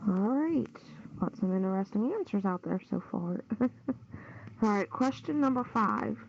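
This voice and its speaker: Woman quiz host, quick, muffled noisy line. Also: medium pitch, expressive. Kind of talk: reading trivia questions, casual online game. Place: online push-to-talk voice chat. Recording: dull lo-fi voice-chat audio, noisy, clicks.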